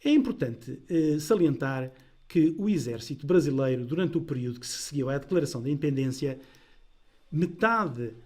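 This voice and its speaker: A man giving a measured, deliberate history lecture. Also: fairly high pitch, expressive, a little mellow. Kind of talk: scripted history talk.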